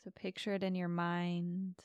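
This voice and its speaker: A woman with a slightly low, smooth voice guides a mindfulness practice. She speaks softly and gently, leaving space between soothing instructions. The sound is clean and dry, close and clear. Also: monotone, dry recording, lo-fi sound. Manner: gentle, slow, spacious instructions with long pauses. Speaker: meditation podcast host and guide. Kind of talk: soft, soothing guided meditation.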